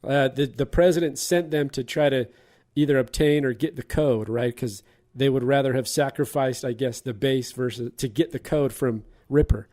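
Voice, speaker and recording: A man's voice: medium pitch, moderate pace, mellow. Man chatting about a film. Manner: laughs while retelling scenes. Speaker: podcast host. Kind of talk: casual movie podcast chat.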